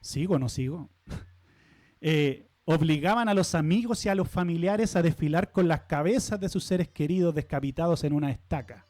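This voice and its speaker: High-voiced pastor preaching conversationally. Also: male voice, normal speed, a little mellow, no echo. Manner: conversational, asks the congregation questions, light humorous asides. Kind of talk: sermon. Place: church sanctuary.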